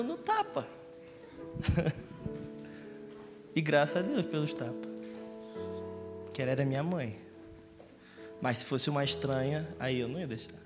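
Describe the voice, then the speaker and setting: A man from Rio de Janeiro, Brazil gives a Sunday sermon in a church hall, cracking frequent jokes and putting questions to the congregation. His voice is high for a man. Long church reverb surrounds it, with music playing underneath.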